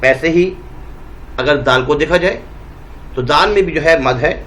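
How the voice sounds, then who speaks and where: A male teacher with a Pakistani Urdu accent, giving a Quran reading lesson and drawing out each letter name slowly to show how it is said. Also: fairly high pitch, fairly bright tone, slight background noise, poor audio. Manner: draws out letter names slowly, modelling pronunciation.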